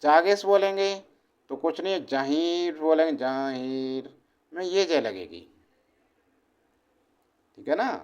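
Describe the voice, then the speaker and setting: Very slow-speaking male Hindi teacher. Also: fairly high pitch, lively intonation, darkish tone, clean tone. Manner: slow and deliberate, sounding out syllables. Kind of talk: exam-prep phonetics lecture. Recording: dull lo-fi classroom recording.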